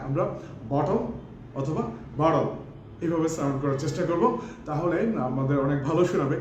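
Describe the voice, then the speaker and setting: Bangladeshi-accented male teacher, casual and filler-heavy, reverberant room with soft music underneath. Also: a little high. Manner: mixes English into talk, many fillers, stretches words to model sounds. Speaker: English pronunciation teacher. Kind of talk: casual pronunciation lesson.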